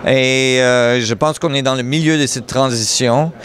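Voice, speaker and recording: A man with a Canadian French accent explaining ideas as an interview guest, earnest, pausing as he searches for words. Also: mid-range voice, fairly even intonation, fairly bright tone.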